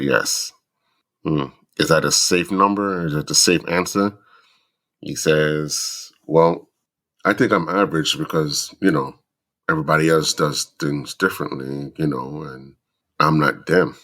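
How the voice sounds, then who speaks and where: Very deep-voiced stuffy man. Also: fairly bright tone. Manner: earnest, preachy, slow deliberate lists. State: stuffy from the flu. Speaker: podcast host. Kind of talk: reflective monologue to fathers.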